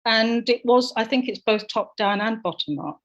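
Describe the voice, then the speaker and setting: A woman's voice: fairly high pitch, normal speed, dull audio. Woman reflecting over a video call. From London, England. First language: Jamaican. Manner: reflective, personal storytelling. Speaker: panelist. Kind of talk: online panel discussion.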